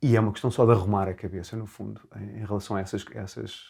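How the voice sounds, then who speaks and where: Recorded very cleanly against a silent background, a man talks in a fairly low pitch. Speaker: singer and vocal coach. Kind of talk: interview. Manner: halting, many repeated words.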